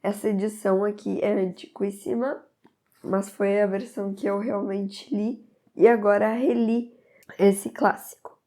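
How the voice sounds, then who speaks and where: A woman's voice: mid-range voice, level tone, measured pace, mellow. A woman, slightly stuffy from a cold, recommending a book in an enthusiastic, rambling way. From southern Brazil. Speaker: book reviewer. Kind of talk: casual book recommendation to camera.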